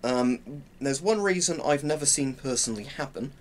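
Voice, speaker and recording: This British man in his twenties speaks at normal speed in an animated, mid-range voice. As a presenter of military gear reviews, he demonstrates equipment with an informal, rambling explanation, and the recording from his small, cluttered home room is clearly noisy.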